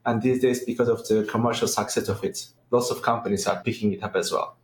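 A man in his thirties from Turkey, with a Turkish accent, explaining his work as an interview guest in a measured way, searching for words. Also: fairly low pitch, fairly even intonation. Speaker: AI researcher. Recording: echoey room with faint noise.

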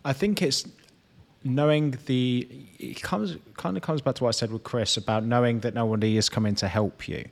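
Man, medium pitch, explanatory coach, conversational, repeats phrases for emphasis. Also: moderate pace. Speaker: host and fitness business coach. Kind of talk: conversational advice with analogies.

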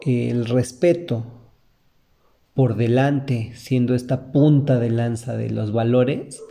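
Slow, very dark-voiced Mexican man. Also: medium pitch, creaky. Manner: earnest, motivational, speaks to the listener directly. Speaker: podcast host. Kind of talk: reflective podcast monologue.

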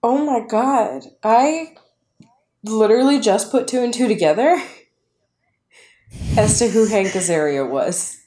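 A woman co-hosting a podcast, giving blunt, emphatic and profane takes on an animated film in casual chat. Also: fairly high pitch, measured pace, pauses often. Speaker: podcast co-host.

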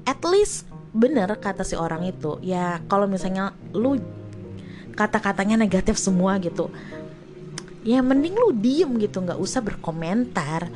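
A young woman with a Jakarta accent hosts her own podcast and talks straight to her listeners. She rants in a chatty, slangy, exasperated way at a middling pitch. Faint music plays under her voice. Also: very animated, normal speed. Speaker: podcast host. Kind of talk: casual solo podcast commentary.

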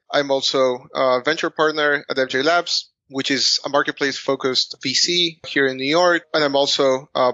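A man in his thirties from Argentina, explaining his career at a steady, measured pace in a casual interview, with frequent "you know". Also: medium pitch, creaky, no echo, dull audio. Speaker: guest entrepreneur. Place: office.

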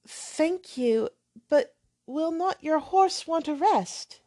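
A woman voicing a shy, earnest young woman who speaks softly and hesitantly. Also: high-pitched, expressive, slow pace, pitched above the performer's own voice. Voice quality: soft, hesitant.

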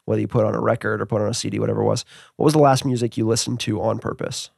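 A man hosting a casual interview, asking questions in a relaxed, friendly way. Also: on the low side, rapid-fire, gravelly, no room sound, clean studio sound. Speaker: podcast host.

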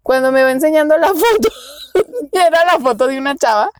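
A woman's voice: high-pitched, lively intonation, fairly quick, darkish tone, dry recording. A young woman with a Mexican accent tells a dating story in casual chat, laughing often and squealing when she quotes herself. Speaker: podcast co-host.

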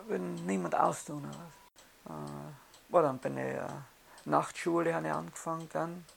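A speaker from Austria with an Austrian accent, recalling things casually in a halting way with repeated words. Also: medium pitch, creaky, a little hiss or hum. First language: German. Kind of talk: casual spoken recollection.

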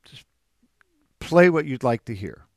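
Casting: male jazz teacher, mid-pitched, thoughtful anecdotes, halting restarts. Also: sing-song, darkish tone, no room sound, clean studio sound. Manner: reflective storyteller with frequent restarts. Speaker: jazz drummer and music educator. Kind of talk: interview answers.

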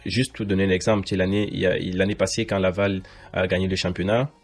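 Man, low voice, quick pace, guest coach, casual interview. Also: level tone. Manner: fast, explanatory, affirming. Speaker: guest, university soccer coach.

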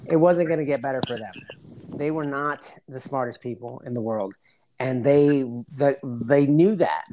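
Halting, slangy frat-bro man, medium pitch. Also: noisy background. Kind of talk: casual podcast chat.

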